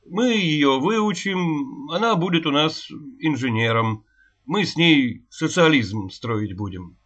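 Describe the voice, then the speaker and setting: A man's voice: mid-range voice, sing-song, slow pace, a bit bright. A man voicing an eager, zealous male commission member who speaks with earnest fervor. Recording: dull lo-fi recording.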